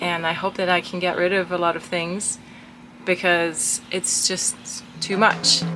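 Over light background noise, a woman talks at a moderate pace with a fairly low pitch. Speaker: sailing vlogger. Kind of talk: casual vlog chat. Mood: cheerful, smiling. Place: boat. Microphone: phone near.

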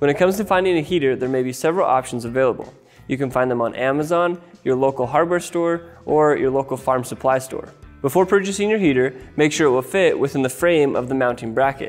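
A man talks at a very fast pace. Faint music plays in the background. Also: ordinary pitch variation. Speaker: presenter. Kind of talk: tutorial. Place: studio. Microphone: lapel.

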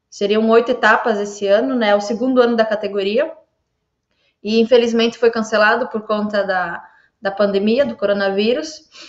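With fairly even intonation, a woman speaks in a fairly high voice against a quiet background. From southern Brazil, Santa Catarina. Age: 20s. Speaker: racing driver; guest. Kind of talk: interview. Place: home room. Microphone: earbuds.

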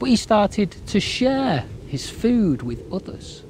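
A man speaks at a fairly slow pace with very wide pitch swings. The sound is dry with no echo, over light background noise. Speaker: storyteller. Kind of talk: children's storytelling. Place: forest. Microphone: phone near.

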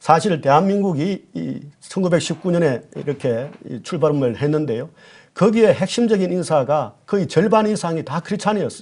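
A high-pitched man at a fairly slow pace, full of lively intonation. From South Korea. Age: 50s. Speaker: professor of diplomacy. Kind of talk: news interview. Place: studio. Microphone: lapel.

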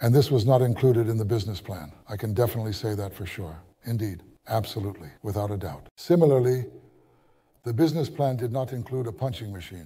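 Talking at a very fast pace, a man with a dark, mellow, somewhat breathy tone uses lively intonation and big swings in loudness over a quiet background. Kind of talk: interview answer. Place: office. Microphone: lapel.

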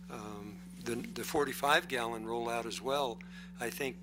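Audible room echo surrounds a man speaking at medium pitch and a moderate pace. His tone is bright and sharp, with vocal fry and lively intonation. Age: 70s. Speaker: mayor chairing council meeting. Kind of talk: council meeting discussion.

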